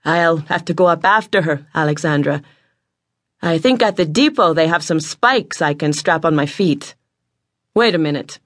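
A woman voicing a slight, helpful teenage boy who speaks calmly and matter-of-factly. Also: low voice, normal speed, no echo, studio quality.

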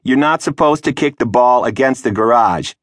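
A man's voice: mid-range voice, normal speed, no echo, studio quality, pitched above the performer's own voice, lightly acted. A man voicing a teasing older teenage brother. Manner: mocking.

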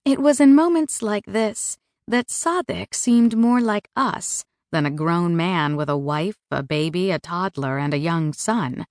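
A woman reading a first-person novel aloud as an audiobook narrator, in a measured, even storytelling manner. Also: lowish voice, no echo, clean studio sound. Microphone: close studio mic.

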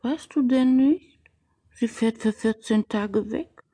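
An actress playing a kind-hearted, homely nursemaid in a radio drama, folksy and fussing. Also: female voice, a little high, takes it slowly, warm tone, breathy edge.

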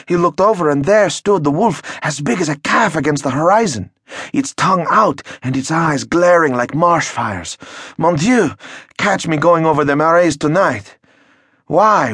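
A man puts on a frightened French village peasant, his voice pitched up high and strained. He rushes through his fearful gossip, breathless and jittery. The sound is dry and close, as in a storybook reading. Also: dry recording, lightly acted. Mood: frightened, excited.

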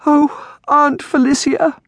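A very high, tearful young girl of about eleven, acted out by a male narrator, pleading and halting in a storybook tale. The voice swoops with feeling and is recorded close and dry. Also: huge pitch swings, dry recording, full character voice. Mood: sobbing, grieving. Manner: tearful, halting, stammering on first words. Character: distraught, pleading eleven-year-old orphan girl.

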